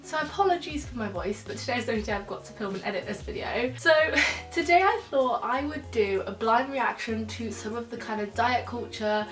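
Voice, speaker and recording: A young woman, a nutrition student, talking casually to camera while croaky and stuffed up from a cold, explaining things in a chatty way. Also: on the high side, expressive, fairly quick, far from the mic. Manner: chatty and explanatory, many fillers like "so" and "yeah". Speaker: nutrition student reacting to videos. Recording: echoey room, voice a bit off-mic, soft music behind.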